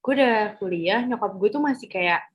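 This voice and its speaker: A woman's voice: medium pitch, normal speed, a little hiss or hum. A woman in her twenties, a podcast host, telling stories in slangy casual chat and acting out quotes. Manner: slangy, animated storytelling with acted-out quotes. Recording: dull lo-fi sound.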